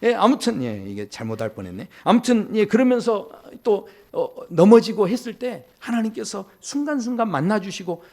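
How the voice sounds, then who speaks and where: A man's voice: high-pitched, sing-song, moderate pace, hardly any pauses, a little mellow. A man preaching a Sunday sermon as pastor, joking with the congregation and acting out the people he quotes. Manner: playful, jokes with the congregation, acts out quoted voices. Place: church sanctuary.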